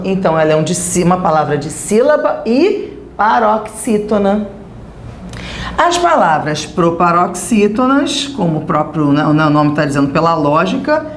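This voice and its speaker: Lively Brazilian woman teaching grammar. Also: medium pitch, reverberant, slight background noise. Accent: Brazilian Portuguese. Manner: lively, explaining with checks like "tá?" and "né?". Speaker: Portuguese teacher. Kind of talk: recorded video lesson.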